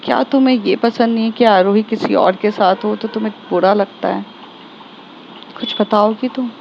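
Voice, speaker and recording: A woman's voice: medium pitch, steady tone, moderate pace, creaky, muffled recording, slight background noise, close to an everyday voice. A woman voicing a young woman who is a caring, protective friend, reassuring one moment and bossy in her friend's defense the next. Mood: concerned. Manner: soothing, then bossy and protective.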